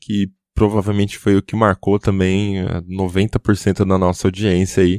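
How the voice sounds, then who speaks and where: A man talks at a fairly slow pace. His fairly low voice stays monotone and flat. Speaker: podcast host. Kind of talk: casual chat.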